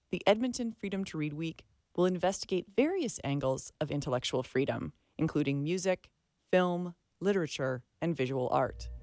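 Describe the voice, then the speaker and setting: A woman presents a radio arts feature in a low voice. She reads from a script, with faint music around her narration. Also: a little mellow. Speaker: radio arts show host.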